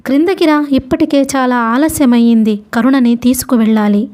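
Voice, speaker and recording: A woman reading as a steady, urging male friend. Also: high-pitched, moderate pace, lightly acted. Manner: gentle, earnest urging. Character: steady loyal male friend, calm and persuasive.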